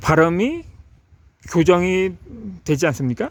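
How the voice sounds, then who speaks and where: At a very slow pace, a man talks in a high pitch with ordinary pitch variation. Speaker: vlogger. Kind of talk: personal monologue. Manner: halting.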